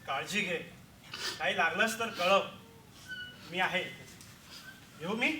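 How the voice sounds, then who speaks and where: A young male student actor playing a calm doctor who is also a friend, in a school stage skit heard from far off in a roomy hall. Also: high-pitched, slow, a little hiss or hum, heavily acted. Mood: reassuring. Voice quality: steady, reassuring.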